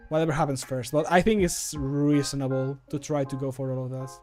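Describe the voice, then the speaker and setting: A man's voice: medium pitch, level tone, brisk, darkish tone, soft background music. A man in his thirties chatting casually on a livestream while he works, muttering and poking fun at himself. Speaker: streamer and amateur voice actor. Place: small home room, indoors.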